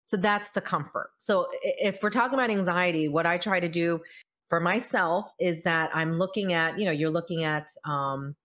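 A woman in her forties, a mother of college-age kids, talking in a casual, expressive way as host of a conversation. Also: on the low side, moderate pace.

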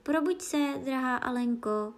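A woman voicing a gentle, affectionate older sister in a storybook reading. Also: high-pitched, close to an everyday voice.

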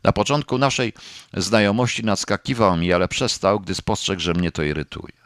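A man reading a first-person novel aloud as an audiobook, in a measured, subdued way. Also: fairly low pitch, a bit bright, no echo, clean studio sound. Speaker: audiobook narrator.

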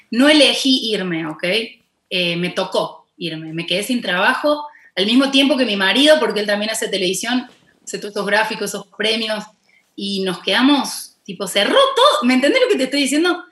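A former TV host turned content creator, speaking with a Córdoba Argentine accent, tells her story with passion and emphasis in a casual interview. Her fairly high voice is a bit bright, with a roomy sound.

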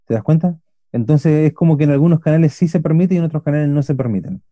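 A man's voice: fairly high pitch, lively intonation, fast talker, dry recording, dull audio. A middle-aged Argentine man from Buenos Aires hosting a Christian radio show, chatting casually with many fillers and restarts. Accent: Argentine Spanish. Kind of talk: casual chat.

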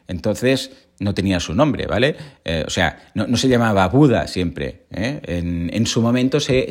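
A man with a Spain Spanish accent hosting a podcast, explaining ideas in a casual, joking monologue full of slang and quick check-ins with his listeners. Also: sits low. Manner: slangy, jokey, constant "¿vale?" check-ins. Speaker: podcast host.

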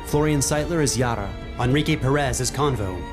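A man narrating a horror fiction podcast as game master, in a measured, formal storytelling manner. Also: mid-range voice. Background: music.

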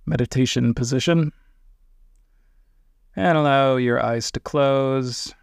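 Very slow, gravelly man guiding meditation. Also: medium pitch, no echo, clean studio sound. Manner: gentle invitations with long pauses. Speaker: meditation guide. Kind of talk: guided meditation.

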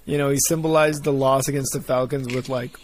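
A man's voice: mid-range voice, fairly even intonation, a little fast, a little hiss or hum. A man co-hosting a casual sports podcast, rambling loosely and swearing freely. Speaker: podcast co-host.

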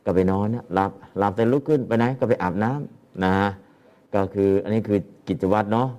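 A man's voice: lowish voice, a little fast, warm tone. A man teaching Pali translation to a class and explaining patiently, often repeating his phrases.

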